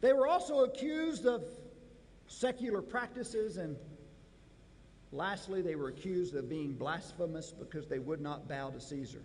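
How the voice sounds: A man's fairly high pitch, lively intonation and slightly mellow tone at a fairly slow pace, with audible room echo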